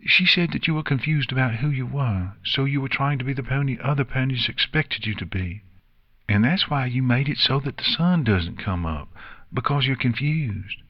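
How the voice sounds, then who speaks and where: Man voicing Apple Bloom, a high, determined little filly. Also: animated, normal speed, no echo, muffled recording. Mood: earnest.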